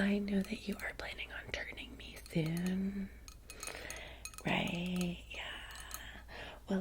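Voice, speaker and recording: A woman acts out a vampire's eager young female assistant for an ASMR roleplay. She whispers in a lowish, breathy voice with an American Valley girl accent. Her delivery is slow and fawning, full of chatty, hesitant rambling. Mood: eager, coaxing. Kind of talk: soft-spoken ASMR roleplay.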